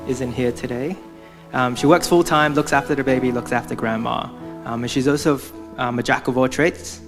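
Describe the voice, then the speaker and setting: A young man from Hong Kong giving a prepared church testimony, speaking earnestly as if from notes. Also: medium pitch.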